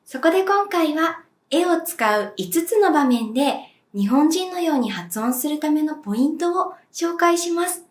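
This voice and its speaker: A woman teaching as a language teacher, speaking clearly and deliberately and demonstrating sounds for viewers to repeat. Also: high-pitched, expressive. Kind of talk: slow, clear pronunciation lesson. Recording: echoey room.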